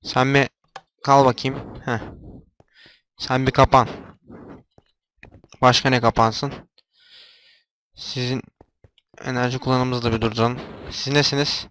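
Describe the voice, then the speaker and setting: A man's voice: medium pitch, little pitch movement, slow, long pauses, a bit bright, clear, resonant tone, dry recording. Exasperated young man commenting gameplay. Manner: exasperated, talks to game machines, frequent outbursts. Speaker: gameplay video host.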